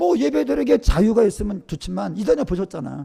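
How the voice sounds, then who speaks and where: A man talking at a moderate pace. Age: 60s. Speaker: pastor. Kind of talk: sermon. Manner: animated.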